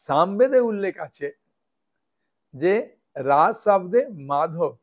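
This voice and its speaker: A man's voice: sits high, lively intonation, takes it slowly. A man, a monk preacher, giving a devotional lecture and explaining step by step, often checking with his listeners.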